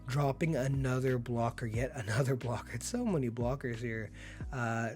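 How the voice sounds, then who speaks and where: A man getting over being sick, with a slightly hoarse voice, giving upbeat, laid-back play-by-play commentary on a card game and laughing often. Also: medium pitch, normal speed, darkish tone, faint music behind.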